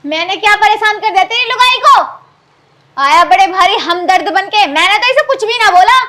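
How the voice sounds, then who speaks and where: A woman's voice: extremely high pitch, lively intonation, normal speed, bright, forceful tone, exaggerated voice. A woman playing a harsh, scolding village mother-in-law. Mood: scornful. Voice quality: scolding, contemptuous. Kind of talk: rural Hindi film drama.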